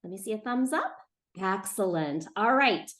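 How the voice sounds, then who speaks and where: A woman's voice: mid-range voice, animated, normal speed, a bit bright. A woman hosting a live online book event as a publisher, giving instructions to children and teachers. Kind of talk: addressing classrooms on a live call. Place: live video call.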